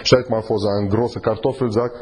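A preacher leads a Bible study with an informal sermon, his voice on the low side and steady, with a faint hiss or hum in the background. His delivery is halting and full of restarts and fillers, and he keeps posing rhetorical questions.

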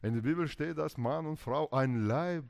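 Male preacher, lively storytelling sermon, voice on the higher side. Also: normal speed, vocal fry. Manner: animated, acts out quoted couples in varied voices.

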